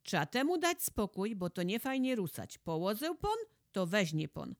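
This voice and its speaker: Woman doing a grumbling old peasant husband with a highlander accent. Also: big pitch swings, normal speed, dry recording, clean studio sound. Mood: cautious. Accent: Polish highlander (Podhale).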